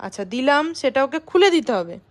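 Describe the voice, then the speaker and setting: Woman vlogger, high voice, casual family chat with a toddler. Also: very animated, quick pace. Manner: talks sweetly to a small child, coaxing and playful.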